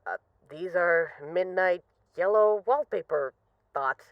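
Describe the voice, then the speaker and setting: A woman's voice: on the low side, slow, dry recording, dull audio. A woman acting as a bored, restless mafia boss who misses a partner, talking in a wry, dramatic, rambling way in an intimate voice-message roleplay. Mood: sleepy, awkward.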